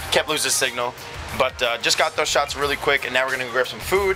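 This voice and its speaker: Speech at a very fast pace with ordinary pitch variation plays over music in the background. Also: man. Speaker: vlogger. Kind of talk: casual vlog chat. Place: home room. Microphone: phone near.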